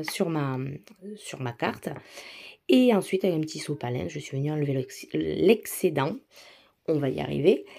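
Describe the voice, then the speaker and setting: Woman, casual voice-over tutorial, mellow tone, enthusiastic, lots of filler words. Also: sits low, slightly rough. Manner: chatty, many fillers and restarts; self-deprecating, enthusiastic about materials. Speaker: craft video host. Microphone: voice-over mic.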